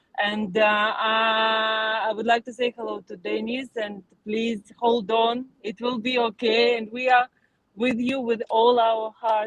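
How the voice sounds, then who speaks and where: A woman with a Russian accent speaks very slowly in a fairly high pitch, hardly pausing, her intonation monotone and flat while her loudness swings widely. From Russia, Moscow. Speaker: interview guest. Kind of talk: interview. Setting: video call while driving. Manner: halting.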